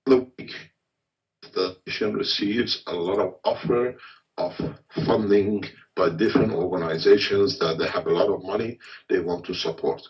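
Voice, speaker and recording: Low-voiced guy on a phone handset, signal breaking up, far off and muffled, halting with restarts. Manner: halting, with restarts and stretched phrases. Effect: signal breaking up on a remote call. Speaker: foundation head addressing a workshop. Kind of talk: speech over a call. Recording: distant muffled dropping call audio.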